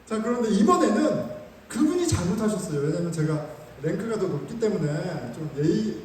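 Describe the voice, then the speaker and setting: A man preaching a sermon as pastor, telling a story in an animated, self-mocking way, recorded in a church sanctuary with the mic some distance away. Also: high-pitched, moderate pace, a little hiss or hum. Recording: echoey hall, mic far off.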